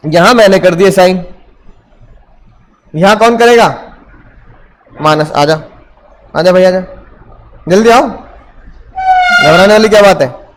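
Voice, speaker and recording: High-voiced animated male teacher. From India. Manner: animated, fires rhetorical questions at students. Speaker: commerce teacher. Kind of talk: classroom lecture.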